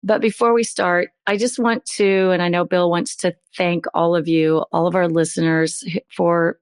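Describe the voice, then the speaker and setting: A middle-aged woman hosting a podcast with a hoarse voice that is still recovering, chatting in an upbeat way. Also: lowish voice, flat delivery, normal speed, no room sound, studio quality. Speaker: podcast host. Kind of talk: podcast intro, casual chat.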